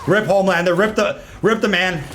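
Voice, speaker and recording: A man's voice: sits high, fairly quick, background noise. A man hosting a gaming video with casual, slangy gameplay commentary. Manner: slangy, informal.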